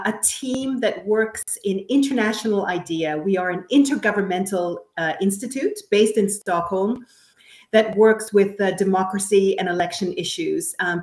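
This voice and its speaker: A woman from Canada speaking as an expert guest, giving measured, careful explanations in an interview. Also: medium pitch. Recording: roomy, echoey sound.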